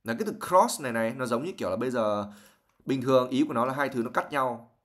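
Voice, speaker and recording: A young native Vietnamese speaker goes through a novel passage by passage for his live-stream viewers, reading aloud and then explaining every word at length in a chatty, patient manner to teach English vocabulary. His ordinary middle-pitched voice is a bit bright and quick.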